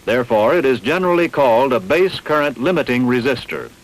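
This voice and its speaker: A man reading scripted instructional narration in a measured, didactic, carefully enunciated way. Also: mid-range voice, big pitch swings, rough recording. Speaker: training film narrator.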